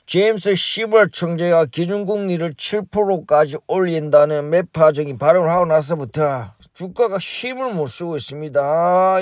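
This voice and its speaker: A man's voice: a little high, no room sound, clean studio sound. A man hosting a comic stock vlog, groaning and complaining in an exaggerated way. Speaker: stock investing YouTuber.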